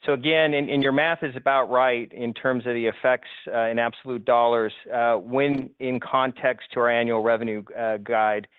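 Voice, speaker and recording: A man with a mid-range voice speaks over a thin, dry phone line. He sounds like a company executive on an earnings call, laying out points in a measured, businesslike manner. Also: mid-range voice, fairly even intonation, smooth, no echo. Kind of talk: prepared but spoken answers on an investor conference call. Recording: narrow tinny phone conference line.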